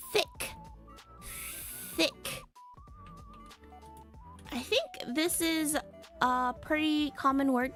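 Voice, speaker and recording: A woman with a high, light voice teaches English vocabulary on a stream, switching between slow, deliberate English and quick casual Japanese. She answers chat with easy laughs, and faint music plays behind her. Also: fairly bright tone. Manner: chatty, laughs often, reads chat comments. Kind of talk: bilingual English lesson stream.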